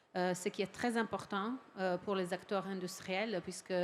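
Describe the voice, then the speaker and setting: A woman at medium pitch with a non-native accent, fairly slow and monotone, flat in intonation. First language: not French (speaking French). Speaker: director of a packaging industry association. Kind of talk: panel discussion. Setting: conference stage. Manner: hesitant, searching for words.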